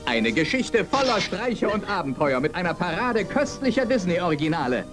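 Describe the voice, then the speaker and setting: A man's voice: high voice, very animated, moderate pace, over loud music. Theatrical trailer announcer, man, swooping delivery. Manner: theatrical, grandly enthusiastic. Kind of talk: 1980s German cinema trailer narration, promotional.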